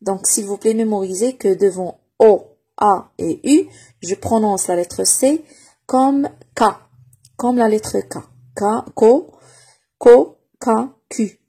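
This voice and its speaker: Slow, patient woman teaching phonics. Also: medium pitch, dark tone, slightly rough. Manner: patient, deliberate, repeats each syllable and word twice. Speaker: reading teacher. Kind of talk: slow phonics lesson, repeating each sound twice.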